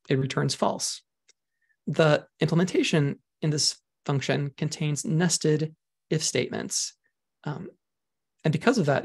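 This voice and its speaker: Husky-voiced man presenting a webinar. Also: on the high side. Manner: measured, with frequent ums. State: losing his voice, clearing throat. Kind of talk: slide lecture on programming.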